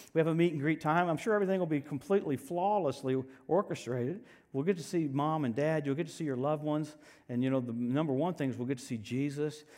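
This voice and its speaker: Talking at a very fast pace, a man with an American accent uses a fairly high voice with ordinary pitch variation. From US South, northern Louisiana. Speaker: guest preacher. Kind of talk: sermon. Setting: church with congregation. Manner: animated.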